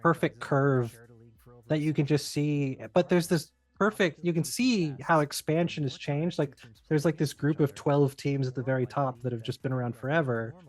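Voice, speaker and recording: Middle-aged man, brisk animated talker, a bit high, film commentary. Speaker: filmmaker giving director's commentary. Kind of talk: casual commentary chat.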